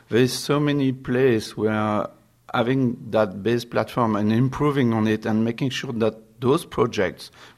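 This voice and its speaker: The background is quiet. A man speaks at a medium pitch with fairly even intonation. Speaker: open source team member at software company. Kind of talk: casual interview chat. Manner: halting, hesitant.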